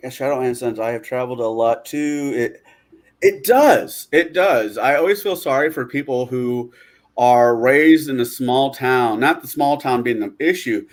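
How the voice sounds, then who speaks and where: Man, mid-range voice, animated, swears a lot, casual podcast talk. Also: medium pitch. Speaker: podcast co-host.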